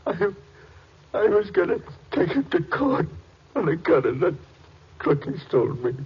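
A man playing a wounded, grieving older farmer in a 1950s radio drama, strained and halting. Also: a little high, sing-song, breathy edge, exaggerated voice. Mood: bitter, weak. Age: older, fifties or sixties. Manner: halting, drawn-out phrases. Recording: dull lo-fi old radio recording.

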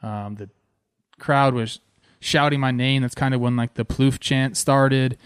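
Man, 30s, from Southern California, former ballplayer, show host, excited casual storytelling, dry close sound. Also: a little slow, smooth, dry recording. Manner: excited, animated, talks with fillers like "man" and "boom".

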